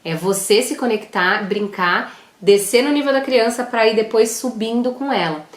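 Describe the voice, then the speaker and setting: A woman's voice: on the high side, normal speed. Brazilian mother chatting in a roomy room. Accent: Brazilian Portuguese. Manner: chatty, explains step by step, checks in with "né?". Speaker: mother sharing parenting tips. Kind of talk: casual explanatory vlog. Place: room at home.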